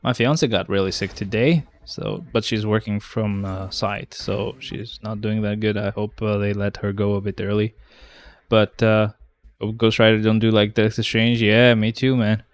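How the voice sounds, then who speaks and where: A man's voice: on the low side, level tone, moderate pace. A young man with a stuffy nose from a cold, chatting casually to his live-stream viewers and getting exasperated with the game. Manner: chatty, easily exasperated, talks to chat.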